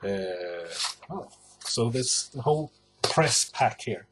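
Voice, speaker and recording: A man from northern Sweden with a Swedish accent, talking casually to camera about his record collection in an unhurried, hesitant way full of pauses. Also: medium pitch, expressive, noisy background.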